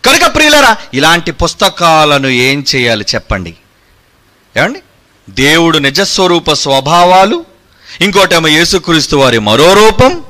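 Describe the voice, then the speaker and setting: A man's voice: fairly high pitch, big pitch swings, moderate pace, sharp tone. A man preaching a fiery sermon, combative and mocking, firing rhetorical questions.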